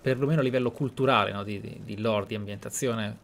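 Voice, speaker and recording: A man's voice: lowish voice, steady tone, fast talker, fairly bright tone. A man with an Italian accent giving casual, musing, enthusiastic gameplay commentary as the host. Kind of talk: casual let's play commentary. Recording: clear background game ambience noise. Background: game ambience.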